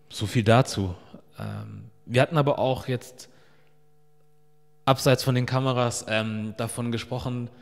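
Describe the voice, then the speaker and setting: A man in his thirties hosts a podcast at a mid pitch, relaxed and thoughtful. He keeps dropping in small fillers as he works through his points. His voice rings with a long reverb in the bare room. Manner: relaxed, reflective, uses many fillers like "so" and "ähm". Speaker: podcast host. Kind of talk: casual interview talk. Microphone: studio mic on a stand.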